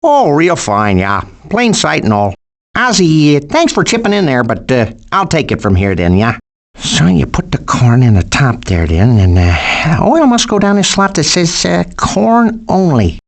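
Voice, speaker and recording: A flustered, folksy cartoon animal father with an Upper Midwestern accent. His pitch moves up and down in a lively way as he hesitates politely, in video game style. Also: unhurried, exaggerated voice. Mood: hesitant, polite. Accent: Upper Midwestern American.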